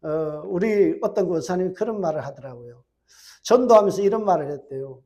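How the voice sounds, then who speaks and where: Fast-talking high-voiced pastor with Gyeongsang accent. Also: male voice, animated, a little mellow. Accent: Gyeongsang Korean. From Gyeongsang, South Korea. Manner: asks the congregation rhetorical questions. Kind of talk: sermon.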